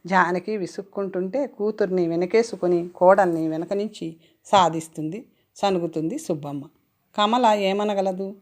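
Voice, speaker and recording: A woman narrating an audiobook story in an expressive storytelling manner. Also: lowish voice, normal speed.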